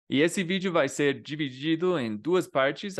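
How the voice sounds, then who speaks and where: It is a plain, everyday voice with ordinary pitch variation. The background is quiet. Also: man. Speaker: interviewer, channel host. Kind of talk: interview questions, casual.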